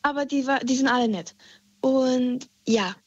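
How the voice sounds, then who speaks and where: High, husky young caller on a phone line. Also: female voice, unhurried, dry recording. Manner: hesitant, many fillers. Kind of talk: phone-in story.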